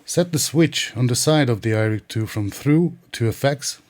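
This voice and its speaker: A man's voice: mid-range voice, animated, moderate pace, a little mellow, no echo. Man presenting a tutorial, very dry close sound. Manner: methodical, precise, explanatory. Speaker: tech reviewer and tutorial presenter. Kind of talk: instructional tech tutorial narration.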